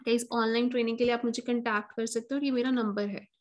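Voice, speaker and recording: A woman, a tutor explaining an exam task in an online lesson, addressing viewers directly and slowing down to stress key words. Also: on the high side, steady tone, slight background noise. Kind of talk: online lesson, Hindi mixed with English.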